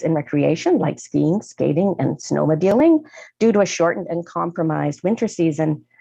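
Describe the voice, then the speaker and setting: A woman talks at a fairly quick pace with a fairly low pitch. Her tone is dark and mellow. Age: 60s. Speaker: public delegate at city council committee. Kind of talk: prepared public statement. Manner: formal.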